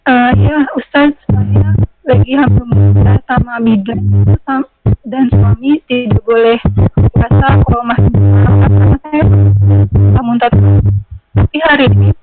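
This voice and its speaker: A woman's voice: mid-range voice, wildly swooping pitch, measured pace. Woman caller on a glitchy, breaking-up phone line. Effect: choppy, breaking-up phone audio. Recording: tinny phone line with music behind.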